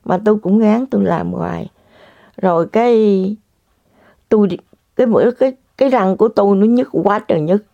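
A woman tells a story straight to her viewers, full of dramatic exclamations. Her voice is mellow and warm. The recording is dry and a little dull and lo-fi. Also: mid-range voice, moderate pace, vocal fry, dry recording.

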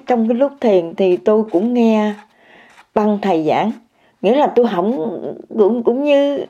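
Speaking straight to her listeners, an older woman recounts her meditation experience with emphasis and heavy repetition. Her voice is mellow and a little high, captured on a muffled, lo-fi recording.

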